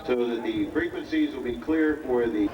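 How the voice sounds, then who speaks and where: A man's voice: mid-range voice, moderate pace, highs cut off, crowd noise. Guy doing airshow commentary on outdoor pa, echoey and far off, noisy. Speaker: airshow commentator at a model aircraft event. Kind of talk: airshow commentator announcing over a PA. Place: outdoor flying field with grandstands.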